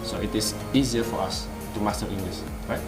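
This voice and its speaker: A low-voiced young man with an Indonesian accent explains grammar patiently, posing questions and then answering them. He talks into a stand mic on an outdoor patio, with an echoey sound and clear music underneath. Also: fairly quick. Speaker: English teacher. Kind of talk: explaining in a casual interview. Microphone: studio mic on a stand.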